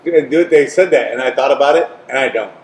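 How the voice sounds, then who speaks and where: A man's voice: medium pitch, brisk, darkish tone, roomy sound, low-quality recording. A Midwestern American man hosting a comedy podcast in a casual, rambling way, laughing often and repeating his words. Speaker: podcast host.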